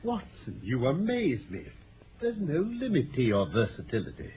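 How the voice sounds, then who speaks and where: An actor playing an urbane, incisive English detective in a vintage radio drama, precise and drily teasing. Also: male voice, medium pitch, huge pitch swings, normal speed, warm tone. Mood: dry teasing. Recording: noisy old radio drama recording.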